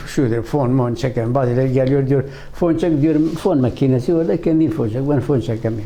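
Over noticeable background noise, a man of medium pitch speaks at a moderate pace with hardly any pauses, ordinary pitch variation and very even loudness. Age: 70s. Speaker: barber. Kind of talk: interview answer.

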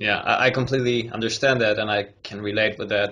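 A man's medium-pitched voice with ordinary pitch variation, a plain, everyday voice against a quiet background. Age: 30s. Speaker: fitness podcast host. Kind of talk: interview. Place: home room. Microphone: webcam.

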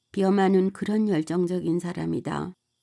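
A woman speaks very slowly in a dark, mellow tone at a fairly low pitch, on a very clean recording with a silent background. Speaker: author and translator of German literature. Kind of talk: reading aloud.

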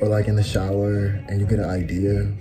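Clear music in the background behind a man at a fairly low pitch and moderate pace. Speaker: vlogger. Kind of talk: casual vlog chat. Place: home room. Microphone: phone near.

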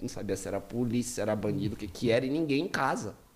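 Here a man talks at a fairly quick pace, his pitch swinging very widely. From São Paulo city, Zona Norte; São Paulo, Brazil. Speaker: entrepreneur, former drug addict; podcast guest. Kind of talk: casual interview testimony. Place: studio. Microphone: studio mic.

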